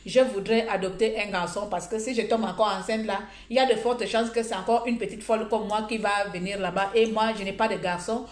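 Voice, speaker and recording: A woman vlogger giving blunt, humorous advice in a casual monologue, telling stories with animated energy. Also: mid-range voice, a little fast, hardly any pauses. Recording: echoey room.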